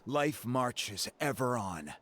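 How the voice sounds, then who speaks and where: Dignified tribal chief. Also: male voice, mid-range voice, expressive, a bit bright, a little hiss or hum. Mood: ceremonial. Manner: measured, ceremonial. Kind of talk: anime video game acting.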